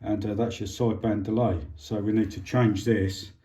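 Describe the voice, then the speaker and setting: A man's voice: fairly low pitch, flat delivery, normal speed, mellow. A British man giving a casual hands-on repair demonstration, informal and a bit hesitant as he thinks aloud while working. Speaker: hobbyist presenter of an electronics repair.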